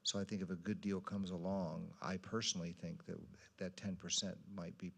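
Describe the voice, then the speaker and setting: Low, flat, gravelly man. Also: moderate pace. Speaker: city council member. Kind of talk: informal meeting remarks.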